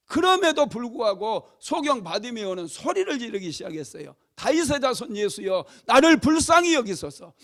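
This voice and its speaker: A male pastor delivering a Sunday sermon, telling a Bible story dramatically and raising his voice to act out cries. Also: very high voice. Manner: dramatic storytelling, loud acted cries for emphasis.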